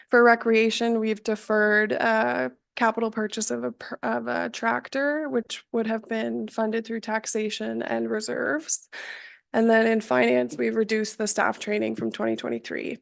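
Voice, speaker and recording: A woman speaking in a slightly high but gravelly voice, hoarse from being sick, walks through budget slides at a public council meeting. She is halting and apologetic, with many ums between points. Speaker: municipal finance staff presenting budget. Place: council chamber.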